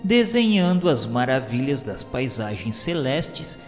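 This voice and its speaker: A man's voice: mid-range voice, big pitch swings, a little slow. A Brazilian man reading scripted narration for a religious radio serial in a solemn, formal, literary manner. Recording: long hall reverb. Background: music.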